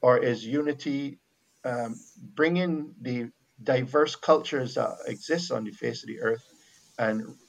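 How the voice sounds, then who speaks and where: A missionary guest from Barbados, speaking in a Bajan accent, chats informally about faith, pausing reflectively and restarting again and again. He has a gravelly mid-range voice, and the recording quality is low.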